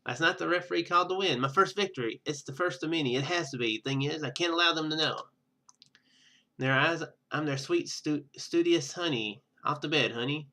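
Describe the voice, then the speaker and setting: A man's voice: fairly high pitch, brisk, sharp tone. A man voicing a determined young female student and secret fighter in a visual novel game, earnest and confiding.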